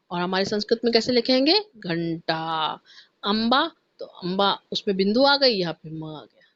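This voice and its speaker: A woman teaches Sanskrit to young children in an online class, pronouncing each syllable slowly and patiently. Her voice comes through dry and slightly dull, like a lo-fi recording. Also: on the high side, no room sound. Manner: slow, patient, spells out syllables for young pupils.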